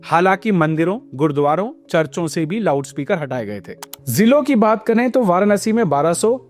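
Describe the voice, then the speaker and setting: A man's voice: a little high, a little mellow. A man narrating a scripted news report as a reporter, explaining and posing pointed questions. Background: background music.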